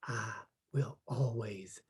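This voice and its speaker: A man playing a menacing, possessive villain at a screenplay table read, with a husky, breathy, hushed delivery. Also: medium pitch, slow pace, slight background noise, close to an everyday voice. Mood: cold menace.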